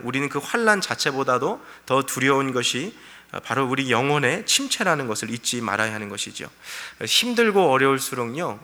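Guy preaching in a church, earnest, walks through verses, bright voice, echoey. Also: on the high side. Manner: earnest, explains scripture verse by verse. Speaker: pastor. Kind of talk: sermon. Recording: reverberant hall.

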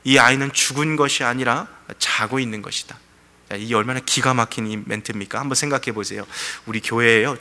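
Male pastor preaching in church, bright forceful voice, long hall echo, storytelling with lots of fillers. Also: mid-range voice. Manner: storytelling preaching with frequent fillers and shifting emphasis. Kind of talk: sermon. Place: church sanctuary.

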